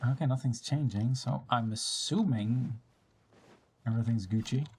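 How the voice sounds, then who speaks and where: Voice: medium pitch, normal speed, a little mellow, a little hiss or hum. A game streamer giving casual, playful commentary with slangy, sing-song asides. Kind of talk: casual gameplay commentary with dramatic reading.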